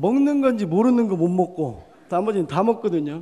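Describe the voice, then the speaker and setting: Speaking at a fairly slow pace, a man with a high pitch and a dark, mellow tone makes very wide pitch swings. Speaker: pastor. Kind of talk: sermon.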